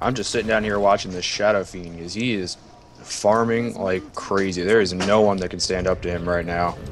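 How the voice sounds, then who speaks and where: Fairly low male speech at a moderate pace, fairly even in intonation, noticeable noise behind it. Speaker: guest co-caster. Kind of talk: live commentary. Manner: hesitant, many fillers.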